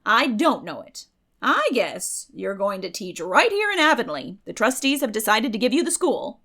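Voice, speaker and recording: Woman putting on a blunt, creaky village busybody. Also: fairly high pitch, very animated, normal speed, fairly bright tone, heavily acted. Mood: gossipy, brisk. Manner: emphatic, folksy, opinionated. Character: blunt, bustling, stout opinionated older village woman. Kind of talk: dramatic audiobook reading of a classic novel.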